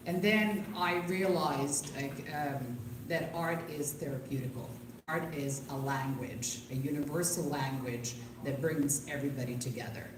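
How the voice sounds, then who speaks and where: Low-pitched woman in an echoey, noisy room. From Serbia, moved to England at fifteen. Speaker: artist, panelist. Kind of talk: personal story on a panel. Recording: echoey, noisy conference room, distant mic.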